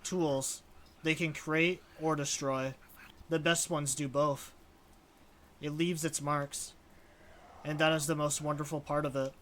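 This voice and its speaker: A man acting out a cryptic, ominous companion in a horror visual novel, with measured, dramatic delivery. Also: a little high, little pitch movement, fairly bright tone, a little hiss or hum. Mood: calm, cryptic. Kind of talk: reading visual novel dialogue.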